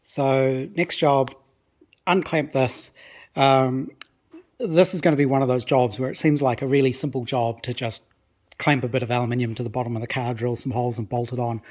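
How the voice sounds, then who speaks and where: A slightly hoarse, somewhat breathless man explaining his car restoration work in a home workshop, in a relaxed way with many pauses and restarts. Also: mid-range voice. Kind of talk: casual workshop walkthrough.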